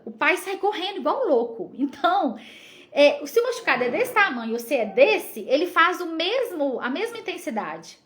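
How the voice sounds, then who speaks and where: A woman's voice: high-pitched, fairly bright tone. A Brazilian woman in her thirties, a psychologist explaining parenting in a live lesson, often checking in with tag questions. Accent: Brazilian Portuguese.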